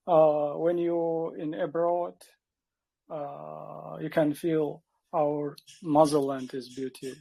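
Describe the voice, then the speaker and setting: Slow, gravelly, hesitant man learning English. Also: on the high side, little pitch movement, dark tone, poor audio. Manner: hesitant, with many pauses and fillers. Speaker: class participant.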